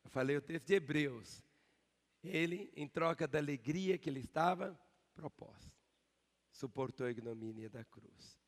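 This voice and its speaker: Pitched fairly high and moving at a moderate pace, this older man serves as pastor, delivering a sermon in a big church. He preaches emphatically, using call-and-response to get the congregation echoing his words, and the hall's long reverb hangs on the sound.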